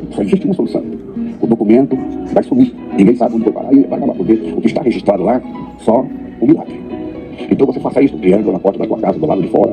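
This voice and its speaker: Fast-talking, lively-voiced Brazilian preacher man. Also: medium pitch, poor audio. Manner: animated storytelling, acting out others' voices. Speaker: pastor. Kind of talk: preaching testimony.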